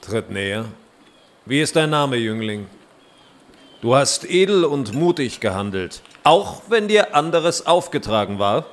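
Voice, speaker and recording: A man's voice: medium pitch, big pitch swings, a little slow. A man playing a commanding, impatient medieval Danish king, speaking in stately, archaic phrases in a historical audio drama. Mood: lordly.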